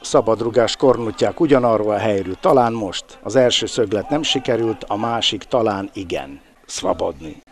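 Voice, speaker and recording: A man giving live football commentary in an excited, exclamatory manner, with drawn-out cries and a gravelly voice. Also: lowish voice. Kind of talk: live bilingual sports commentary.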